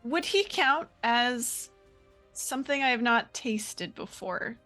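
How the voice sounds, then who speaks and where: A woman's voice: on the high side, expressive, slow pace, sharp tone, faint music behind. A woman talking casually as a player in a tabletop role-playing game.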